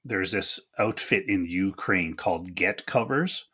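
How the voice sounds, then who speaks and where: A man's voice: low voice, a little slow, pushed and bright, breathy edge. A man hosting a podcast, chatting casually and chummily with his guest. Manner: chummy, calls guest buddy and sir. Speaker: podcast host. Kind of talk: casual interview chat.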